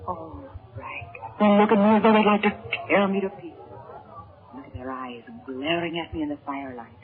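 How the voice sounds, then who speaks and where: A woman's voice: deep voice, normal speed, close to an everyday voice. An actress playing a frightened, earnest white woman held captive, in a melodramatic 1930s radio serial style. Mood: fearful. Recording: scratchy, muffled 1930s radio recording.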